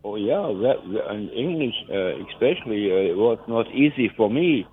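An older man from West Germany, a native German speaker with a German accent, calling in to a radio show and rambling in a halting way, chuckling at his own jokes. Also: fairly low pitch, lively intonation, slight background noise. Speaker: caller. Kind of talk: phoning in to a radio talk show. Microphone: telephone. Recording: tinny phone line.

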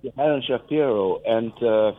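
An older man from West Germany, a native German speaker with a German accent, calling in to a radio show and rambling in a halting way, chuckling at his own jokes. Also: mid-range voice, a little hiss or hum. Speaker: caller. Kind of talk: phoning in to a radio talk show. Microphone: telephone. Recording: tinny phone line.

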